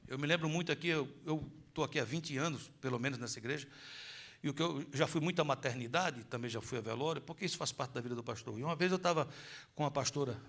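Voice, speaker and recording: A man's voice: fairly high pitch, fast talker, creaky, fairly bright tone. A middle-aged man, preaching a sermon as pastor, quizzing his congregation with rhetorical questions and telling stories.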